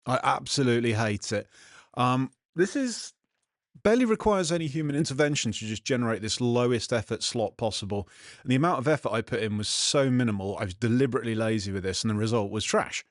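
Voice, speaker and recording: A man's voice: mid-range voice, quick pace, dry recording, studio quality. A man with a Black Country accent and a slightly nasal voice, chatting casually and sardonically as a vlog host. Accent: Black Country English. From England, West Midlands. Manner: sardonic, irritated grumbling. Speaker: vlog host, software developer.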